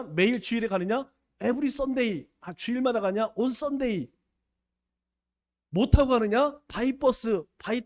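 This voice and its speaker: A man's voice: high voice, darkish tone. A male pastor with a Chungcheong accent, preaching a folksy sermon and acting out little dialogues. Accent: Chungcheong Korean. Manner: folksy, playful, acts out dialogues.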